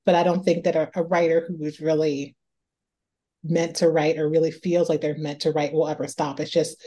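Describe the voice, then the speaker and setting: A woman's voice: sits low, flat delivery, normal speed, mellow. A woman from Northeast Ohio, an author talking through her writing life in a reflective interview, often repeating words as she thinks aloud. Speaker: author guest.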